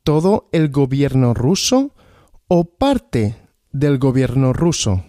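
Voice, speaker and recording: Male language-podcast host, slow question-and-answer teaching, animated pitch, dry studio sound. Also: dry recording. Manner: asks questions and answers them himself, repeating.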